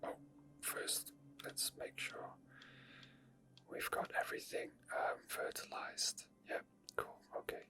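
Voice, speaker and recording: This is a game streamer making ASMR: soft, breathy whispers of off-the-cuff gameplay commentary that wander along at a relaxed pace. A mic hidden under their hoodie sits right by their mouth, keeping the sound very close.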